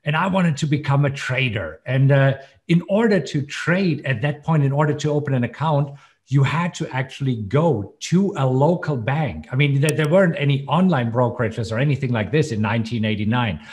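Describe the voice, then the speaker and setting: A man's voice: medium pitch, moderate pace, darkish tone. German-accented man telling a story. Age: 50s. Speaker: trading educator, interview guest.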